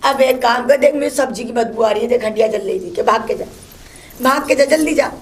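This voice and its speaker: A woman performs a one-person comedy bit as a shrill, grumbling mother-in-law who swears and complains endlessly. She talks a little quickly, and the acting is light.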